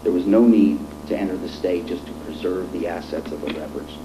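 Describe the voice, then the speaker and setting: A man's voice: low-pitched, a little fast. A man speaking as a lawyer, making a formal oral argument in court. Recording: echoey courtroom with clear noise and hum.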